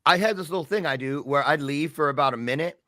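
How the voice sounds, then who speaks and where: A middle-aged man hosting a casual live-stream talk show, chatty and excitable, with self-deprecating jokes. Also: a little high, fast talker, no room sound, studio quality.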